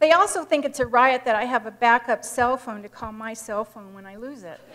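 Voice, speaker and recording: With noticeable background noise behind her, a woman talks at a fairly quick pace and a high pitch, using ordinary pitch variation and big swings in loudness. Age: 50s. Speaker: storyteller. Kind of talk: reading aloud.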